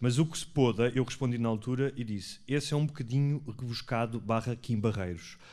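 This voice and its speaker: A man talks fairly quickly in a dark, mellow tone, with hardly any pauses. His pitch varies in an ordinary way against a quiet background. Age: 40s. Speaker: comedian podcast host. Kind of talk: live podcast before audience. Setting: stage with audience. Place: stage. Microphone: studio mic.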